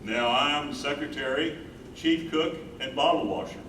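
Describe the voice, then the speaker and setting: A man's voice: a little high, measured pace, fairly bright tone. A man playing a tender, mournful aging husband and caretaker in a staged reading. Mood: weary, devoted. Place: live staged reading in an echoey room. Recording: roomy, distant, noisy stage recording.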